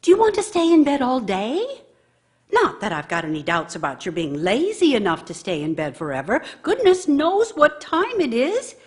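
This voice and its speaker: A woman's voice: a little high, huge pitch swings, normal speed. An actress playing a bitter, nagging wife in a radio drama, scolding her idle husband with theatrical sarcasm and scorn. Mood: angry, nagging. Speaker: actor in a radio play.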